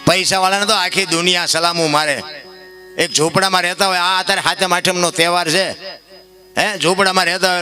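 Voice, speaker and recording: A high-voiced man preaching in a folk dayro, bright and forceful in tone. He moves between storytelling and loud, impassioned appeals. Faint music runs behind him. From Gujarat, India.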